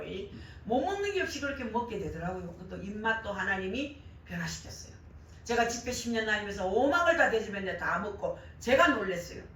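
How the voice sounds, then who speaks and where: An older woman preacher with a Gyeongsang Korean accent delivers a sermon full of personal anecdotes, animatedly acting out quoted remarks. Her mid-range voice is worn and hoarse from years of crying out in prayer. The distant mic catches a very echoey, roomy church hall with slight background noise.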